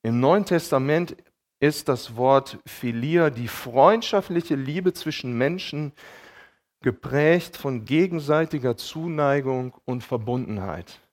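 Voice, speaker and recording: A man preaching a sermon in a casual, colloquial way, often checking in with his listeners with short tag questions and retelling dialogue as lively acted quotes. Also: mid-range voice, slow pace. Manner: colloquial, keeps checking in with "ja?" and "okay?".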